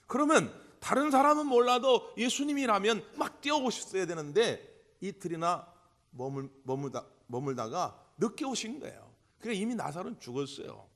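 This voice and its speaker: A male pastor delivering a Sunday sermon, full of rhetorical questions, swinging between loud bursts and quiet passages. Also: high-pitched, sing-song, normal speed. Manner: impassioned, with rhetorical questions and big swings in loudness. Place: church sanctuary. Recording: long church hall reverb.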